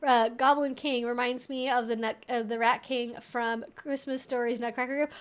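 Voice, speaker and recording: A woman's voice: a little high, level tone, moderate pace, clean tone. A woman hosting a casual live Q&A, thinking aloud in a rambling, amused way as she reads things out and reacts. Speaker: livestream host and kink educator.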